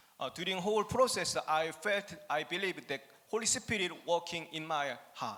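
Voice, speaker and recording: A man with a high pitch speaks at a very slow pace. Noticeable background noise is present. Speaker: interpreter. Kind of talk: consecutive sermon interpretation. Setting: conference stage with audience. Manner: hesitant, self-correcting.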